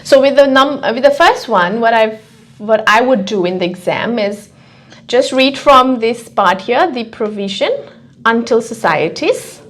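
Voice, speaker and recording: A woman's voice: a little high, a little slow, fairly bright tone. A woman working as a language test coach, talking casually in a question-and-answer discussion.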